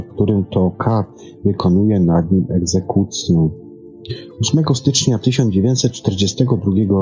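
A man hosts a science programme, reading scripted narration haltingly, stumbling and repeating words. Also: fairly low pitch, mellow. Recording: dull lo-fi sound. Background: music.

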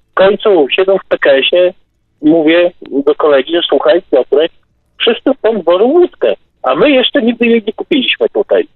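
A man's voice: on the high side, no echo. Man telling stories over a tinny phone line. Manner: anecdotal, with hesitations. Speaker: caller. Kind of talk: casual storytelling.

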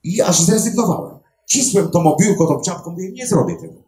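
An older man who finds missing people, telling a story to a live audience with emphatic, animated delivery and dramatic pauses. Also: sits high. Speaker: clairvoyant body finder. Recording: roomy echo.

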